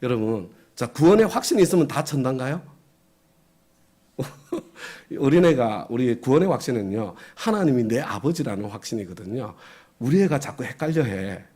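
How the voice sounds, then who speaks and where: A man's voice: mid-range voice, very animated, moderate pace, dark tone. A middle-aged man preaching a sermon as pastor, conversational, often asking the congregation questions and chuckling.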